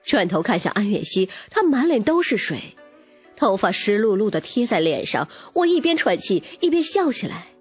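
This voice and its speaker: A woman's voice: mid-range voice, very animated, moderate pace, breathy edge. A woman reading a romance novel as dramatic, scripted first-person narration. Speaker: audiobook narrator. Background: music.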